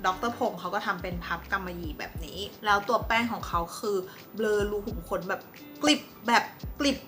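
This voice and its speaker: A woman's voice: medium pitch, brisk, bright, forceful tone, faint music behind. A woman chatting casually as a beauty vlogger, reviewing makeup in a playful way and tossing in mock-dramatic asides. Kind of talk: casual product review chat. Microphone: compact camera mic.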